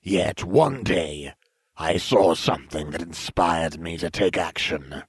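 Villain for audio storybook: a man as pompous disembodied dark lord, deep register, unhurried, deadpan, close dry sound. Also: breathy edge, no echo, heavily acted. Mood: haughty. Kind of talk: fan fiction audio storytelling.

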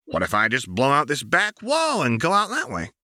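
A man's voice: mid-range voice, huge pitch swings, normal speed, bright, forceful tone, no room sound, clean studio sound, pitched above the performer's own voice, heavily acted. A man voicing a manic, taunting young woman outlaw in an audiobook, with teasing, sing-song questions. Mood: mock-innocent glee. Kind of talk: audiobook character voice.

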